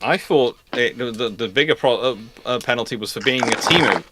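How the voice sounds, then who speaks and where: A man's voice: mid-range voice, brisk, over loud music. A man talking casually as host of a live history discussion, rambling and often restarting his phrases. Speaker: host answering naval history questions.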